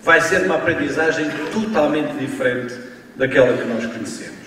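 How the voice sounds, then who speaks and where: A man from Portugal with a European Portuguese accent, giving a university lecture in a slow, emphatic way, often adding tag questions. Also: on the high side, a bit bright, slight background noise. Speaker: guest lecturer. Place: large lecture hall. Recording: distant, echoey hall recording with faint ambience.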